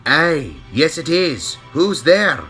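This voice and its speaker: A hot-tempered steam engine from a homemade storybook tale, as a man puts him on, pushed up high and bright with a strained, forceful edge. Backing music plays faintly underneath. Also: big pitch swings, slow, slightly rough, full character voice. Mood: weary.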